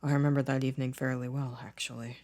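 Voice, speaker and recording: A man playing a gentle, introspective boyfriend in an intimate ASMR roleplay, soft-spoken with careful, formal wording. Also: mid-range voice, flat delivery, fast, loud music behind the voice, lightly acted. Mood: wistful, reflective. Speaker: audio roleplay voice actor.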